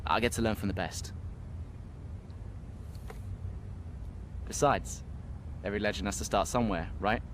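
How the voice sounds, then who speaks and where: Man playing a low-voiced young rookie racing driver. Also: quick pace, a little hiss or hum, close to an everyday voice. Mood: admiring. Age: young adult. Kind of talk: natural video game cutscene acting.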